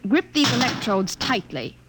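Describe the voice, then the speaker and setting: Formal, high-voiced, repressed lady professor. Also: big pitch swings, moderate pace. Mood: cool, formal. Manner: formal, clipped, imperious. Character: cool, emotionally repressed woman genetics professor. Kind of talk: 1950s American radio drama acting. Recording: noisy vintage 1950 radio recording.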